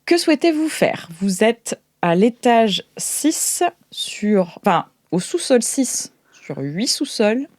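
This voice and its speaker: A woman's voice: fairly high pitch, big pitch swings, slow, a little mellow, no echo. A woman hosting an improvised tabletop game, narrating in a conversational, hesitant way as game master.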